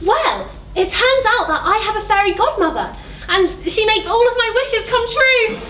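A young woman playing a sweet, excitable, gushing Cinderella in an amateur stage pantomime. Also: very high voice, moderate pace. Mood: delighted, amazed. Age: young adult. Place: stage in a theatre hall. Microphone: distant camera. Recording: echoey, noisy theatre hall from far off.

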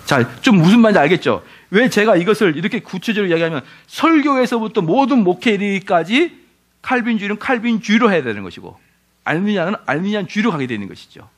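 Animated high-pitched male pastor. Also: quick pace. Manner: animated, asks the audience rhetorical questions, acts out quoted voices. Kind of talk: lecture-style sermon.

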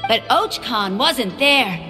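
A woman voicing a boyish young tribal kid who tells legends dramatically and slowly. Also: fairly high pitch, animated, in a large hall, over music. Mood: dramatic. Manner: dramatic, drawn-out storytelling. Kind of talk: game voice acting.

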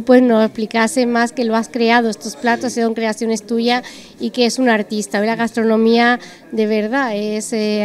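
A middle-aged woman interviewing guests in a restaurant, effusive and gushing, speaking into a handheld mic. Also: on the high side. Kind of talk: casual interview. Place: restaurant dining room, indoors.

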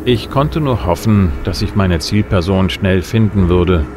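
A man's voice: sits low, unhurried, noisy background. An actor playing a cocky, wry bounty hunter who narrates his case in a laconic, flippant audio drama style. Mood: wry, detached. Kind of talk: hard-boiled first-person audio drama narration.

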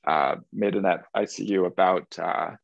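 On a casual group call, a meetup participant with a low, gravelly voice rambles apologetically through his point, leaning often on "like." He talks at normal speed, and the audio is dry, close, and dull lo-fi with no echo.

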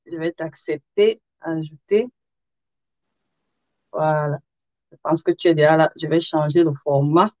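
A woman's voice: deep voice, fairly even intonation, a little slow, long pauses, a little mellow, no echo. A woman hosting a live interview show, chatting informally with viewers and sounding a little tired. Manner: informal, chuckles between phrases, addresses viewers directly. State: somewhat tired. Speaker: live interview host, sewing content creator. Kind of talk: casual livestream chat with viewers. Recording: dull, lo-fi livestream audio.

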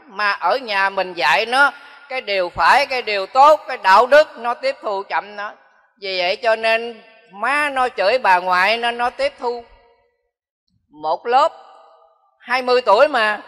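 A man's voice: high-pitched, pushed and bright. An older man, a Buddhist monk, giving a folksy dharma talk that repeats phrases for emphasis. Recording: long hall reverb.

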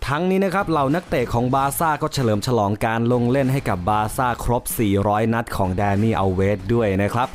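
A man's voice: medium pitch, sing-song, quick pace, few pauses, faint music behind. A man hosting a casual football video, chatty and joking, often exclaiming as he reviews a match. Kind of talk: casual football commentary vlog.

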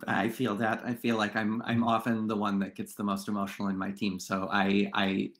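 A man's voice: lowish voice, completely flat delivery, normal speed, a bit bright. A man moderating a conversational panel discussion over a video call. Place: indoor room, video call.

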